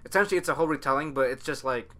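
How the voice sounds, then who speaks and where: Bright-voiced man in casual anime chat. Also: mid-range voice, rapid-fire. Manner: rambling, repeats phrases while explaining.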